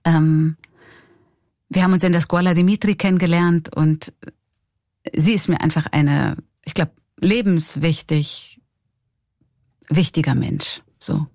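A woman's voice: low voice, unhurried, long pauses, darkish tone, no room sound, clean studio sound. A woman in her forties with a Swiss German accent, a comedian and clown speaking reflectively and laughing often in an interview.

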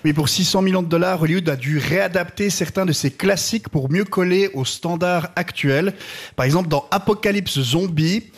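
A man's voice: sits high, moderate pace. A man on a comedy panel, telling a made-up story with dry delivery and small laughs at his own jokes. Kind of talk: comic storytelling.

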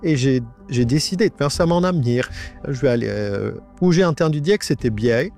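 A man in his nineties gives a halting personal testimony in a radio interview. His voice is disguised by an AI voice changer. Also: mid-range voice, animated, creaky, a little mellow, faint music behind. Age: 90s. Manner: halting, with many restarts and repetitions. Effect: voice altered by an AI voice changer.

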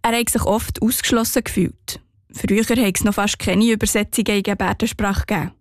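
A woman with a Swiss German accent narrating a scripted radio feature as a reporter, in a relaxed, storytelling way. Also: mid-range voice, brisk, dry recording, clean studio sound.

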